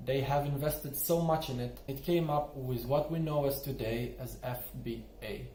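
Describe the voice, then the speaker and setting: Audible room echo and noticeable background noise fill this recording of a man. He speaks at a moderate pace with a non-native accent. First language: not English. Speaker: online seller vlogger. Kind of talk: partly read-aloud vlog narration.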